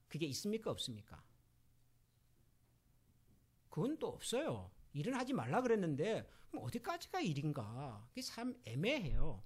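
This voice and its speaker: A man's voice: a little high, husky. A middle-aged man preaching a sermon as pastor, asking the congregation questions and acting out quoted voices. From Korea.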